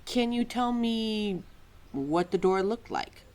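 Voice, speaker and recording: A woman's voice: mid-range voice, expressive, takes it slowly, a little mellow. A woman playing a scatterbrained, centuries-old keeper of forgotten lore in a roleplay audio drama, flustered and hesitant as she talks to a listener. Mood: flustered, curious.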